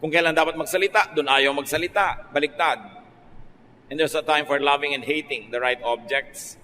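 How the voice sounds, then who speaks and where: Filipino pastor preaching in a reverberant hall. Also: male voice, a little high, slight background noise. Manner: lively, humorous preaching, from loud outbursts to hushed, slow lines. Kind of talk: sermon. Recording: reverberant hall with faint music.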